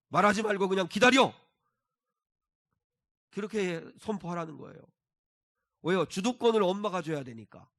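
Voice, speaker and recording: A middle-aged man preaching a sermon as a pastor, building to emphatic peaks and slowing to repeat key phrases. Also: high-pitched, fairly bright tone.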